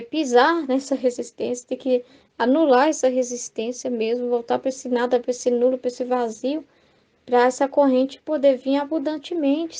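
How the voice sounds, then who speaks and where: A woman's voice: high-pitched, warm tone. A Brazilian woman leading a Catholic devotional study, talking conversationally with frequent "né?" and reading passages aloud. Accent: Brazilian Portuguese. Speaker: Bible study teacher.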